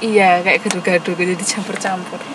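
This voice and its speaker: The Javanese-accented teacher speaks fairly quickly in a lowish voice with little pitch movement. She explains patiently during her online English class, dropping English terms into her speech, while air conditioning adds noise to the room.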